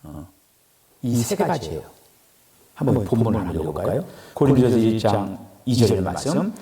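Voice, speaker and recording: Animated Korean preacher in echoey hall. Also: male voice, lowish voice, moderate pace. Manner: animated, acts out quoted voices, swings between loud and murmured. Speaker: pastor. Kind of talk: sermon. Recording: echoey room from far off.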